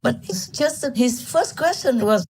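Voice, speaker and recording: A woman from Vietnam speaks as a spiritual teacher, recounting her past candidly and laughing often. Her voice is mellow and a little husky. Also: fairly high pitch, animated, a little slow. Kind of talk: storytelling talk to disciples.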